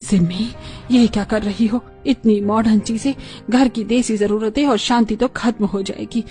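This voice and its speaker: A woman plays a strict traditional mother-in-law in an animated story. She speaks in a firm, scolding tone at a slightly raised pitch. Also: normal speed, soft background music, natural voice. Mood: stern scolding. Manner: scolding, stern.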